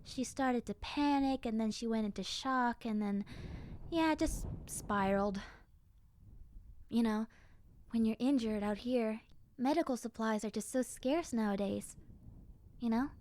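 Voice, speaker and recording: A woman plays a friendly young zombie girl with a highish, girlish voice. She chats casually and directly to the listener, like a lonely survivor glad of company in an audio roleplay. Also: measured pace, pauses often, darkish tone, close to an everyday voice. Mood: reflective, chatty. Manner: casual, chatty, conversational, girlish.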